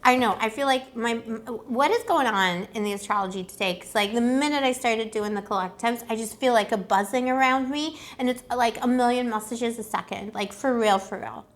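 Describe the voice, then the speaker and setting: A woman's voice: fairly high pitch, fairly quick, few pauses. A woman chatting casually through a love tarot reading as host, playful and rambling with affectionate pet names, her voice slightly strained as if she is losing it. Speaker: tarot reader and channel host.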